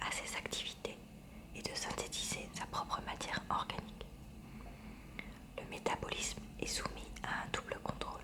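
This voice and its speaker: A school textbook is read aloud by a woman in a continuous hushed whisper, library-style, for ASMR purposes. She speaks with measured, careful articulation.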